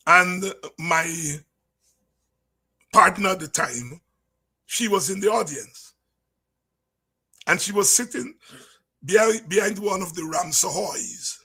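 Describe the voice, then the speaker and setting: A middle-aged man with a Guyanese accent giving an impassioned, informal talk as a political commentator, telling anecdotes and repeating phrases for emphasis. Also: slightly rough. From Guyana, from the countryside. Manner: emphatic, repeats words and phrases, swings from low asides to shouts.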